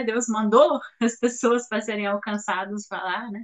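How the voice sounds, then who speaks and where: A woman with a German accent at a moderate pace. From Germany. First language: German (speaking Portuguese). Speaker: missionary and English teacher. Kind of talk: interview.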